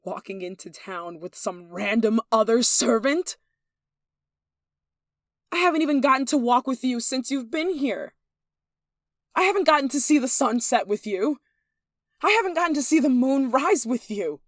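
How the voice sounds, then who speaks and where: A woman's voice: sits high, lively intonation, moderate pace, pauses often, no echo, studio quality. Possessive, haughty young noblewoman, acted by a woman. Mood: hurt, quiet, then indignant, jealous. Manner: imperious, indignant, sighing, clipped commands. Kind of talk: yandere ASMR roleplay acting.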